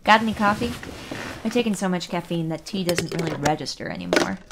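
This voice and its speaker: A woman's voice: lowish voice, huge pitch swings, fast talker, very noisy. A woman acting a wry, stubborn, eager fleet leader in a sci-fi audio drama, with an informal, teasing manner. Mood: wry, playful.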